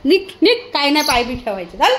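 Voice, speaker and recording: A high-pitched woman, calling out and scolding her dog at home. Her voice rings around an echoey room, with faint noise in the background. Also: very animated, fast, fairly bright tone. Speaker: pet vlogger. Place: home, indoors.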